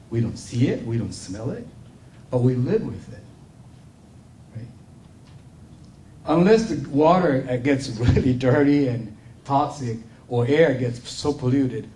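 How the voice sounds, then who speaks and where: A man's voice: mid-range voice, big pitch swings, measured pace, pauses often, mellow, a little hiss or hum. An older man from Japan with a Japanese accent, giving an earnest business talk as a guest speaker at a luncheon and checking in with the room. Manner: earnest, laughs often, asks "okay?" and "right?".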